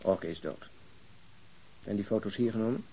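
A man's voice: lowish voice, moderate pace, dark tone, slight background noise, natural voice, low-quality recording. A man playing a persistent police detective in a Dutch radio drama, questioning a bereaved woman bluntly and insistently. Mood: subdued, probing.

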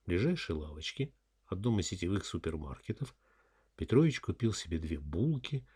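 Very deep-voiced male narrator. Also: a little mellow, breathy edge. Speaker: audiobook narrator. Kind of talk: scripted narration.

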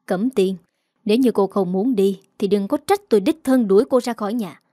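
Lady putting on a bitter bossy mother-in-law barking orders, mellow voice. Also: medium pitch, fairly quick, dry recording, lightly acted. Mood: commanding. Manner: shouting, commanding. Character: harsh, furious older mother-in-law.

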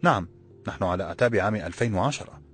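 A man voicing a gentle young woman from an old walled city, speaking in a formal, measured way. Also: fairly low pitch, expressive, faint music behind, natural voice. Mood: calm. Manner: formal, measured classical speech. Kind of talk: audiobook character voice.

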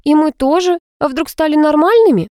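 Woman voicing a chatty, teasing college girl for an audiobook; high and lively, dry close sound. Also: fairly quick, dry recording, natural voice. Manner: teasing, excitable. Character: giddy chatty female student friend.

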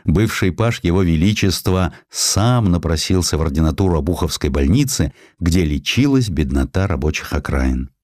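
A man reading historical prose as an audiobook narrator, in a measured, expressive, literary storytelling manner. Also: deep voice, dry recording, studio quality.

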